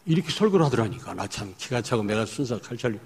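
A male pastor preaching a sermon emphatically, swinging between loud points and hushed asides. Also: medium pitch, sing-song, fast talker. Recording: echoey hall.

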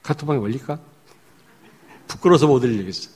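A male pastor preaching a sermon emphatically, swinging between loud points and hushed asides. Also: medium pitch, fairly quick, slightly rough. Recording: echoey hall.

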